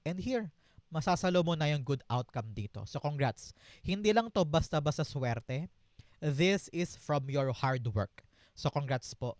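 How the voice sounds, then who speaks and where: A man's voice: on the high side, dry recording, studio quality. A man with a Filipino accent giving an encouraging tarot reading, mixing Tagalog and English and repeating his phrases. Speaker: tarot reader.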